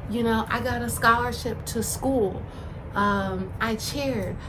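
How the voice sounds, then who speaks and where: Speech comes at a fairly slow pace over noticeable background noise and audible room echo. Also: woman. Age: 20s. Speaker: vlogger. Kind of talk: casual monologue to camera. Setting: outdoors.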